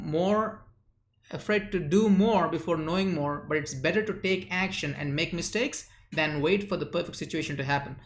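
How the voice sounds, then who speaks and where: A man's voice: on the high side, fairly bright tone. Man hosting a live chat, echoey room. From India. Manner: chatty, reads chat names and answers quickly, frequent uh fillers. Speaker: live-stream host and memory coach. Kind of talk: live stream, reading viewer chat aloud.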